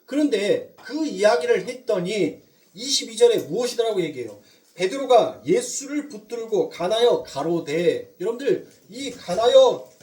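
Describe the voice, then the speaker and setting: Animated high-voiced male pastor preaching. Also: far from the mic. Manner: questions the congregation, then answers, with rising emphasis. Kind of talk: sermon. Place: church sanctuary.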